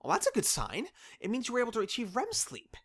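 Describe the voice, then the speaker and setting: A woman's voice: on the high side, huge pitch swings, quick pace, fairly bright tone, slightly rough, full character voice. An actress playing a stubborn, sceptical woman scientist in an audio drama, pompous and dismissive in manner. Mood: clinical interest. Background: music.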